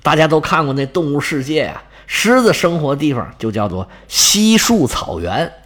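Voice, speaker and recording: A man's voice: fairly high pitch, big pitch swings, moderate pace, a bit bright. A man telling a myth in a chatty, folksy storyteller manner, adding sound effects. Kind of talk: storytelling narration.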